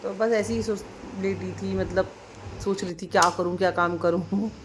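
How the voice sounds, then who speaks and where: A woman from India chatting in a casual daily vlog, warmly addressing her viewers as friends. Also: medium pitch, fairly even intonation, moderate pace, noisy background. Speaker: vlogger.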